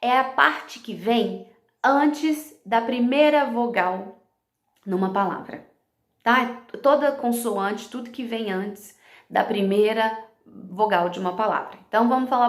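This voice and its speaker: Woman teacher, gravelly voice, roomy sound, explains step by step for fellow teachers. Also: a little high. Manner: explanatory, checks in with "ok?" and "tá?", slips into English words. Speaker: English teacher.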